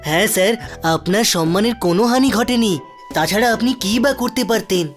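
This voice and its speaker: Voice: medium pitch, a little fast, faint music behind, lightly acted. An actor voicing a polite cartoon animal sidekick who explains things in a deferential, reasoning way. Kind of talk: cartoon dub acting.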